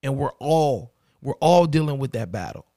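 A man with a raspy voice and a dry throat, hosting a podcast and speaking earnestly and directly to the listener. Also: mid-range voice, lively intonation, normal speed, dark tone, dry recording. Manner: earnest, repeats key phrases, addresses listener directly. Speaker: podcast host. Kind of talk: motivational podcast monologue.

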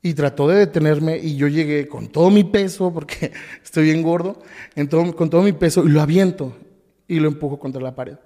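A man with a Mexican Spanish accent, a podcast guest telling a painful personal story, halting, with frequent restarts and repetitions. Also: fairly high pitch, warm tone, long reverb tail.

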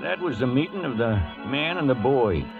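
A man's voice: mid-range voice, animated, normal speed, gravelly, narrow, tinny audio. An American actor playing a folksy, loyal trail cowhand who narrates his tale in rustic cowboy talk in a radio western. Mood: reminiscing. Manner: rustic, drawling cowboy grammar. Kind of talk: 1940s-1950s radio western acting. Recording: old radio recording with music behind.

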